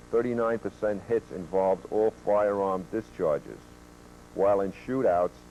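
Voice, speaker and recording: A police officer gives a training lecture, presenting statistics in a measured way with occasional fillers. His voice is low and dark, heard in low quality from a worn VHS tape copy with hum.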